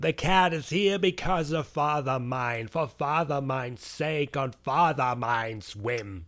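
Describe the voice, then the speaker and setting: A man does a put-on character voice, fairly slow and medium in pitch. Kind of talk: solemn oracle speech. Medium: solo performance. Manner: cryptic, refers to itself in third person.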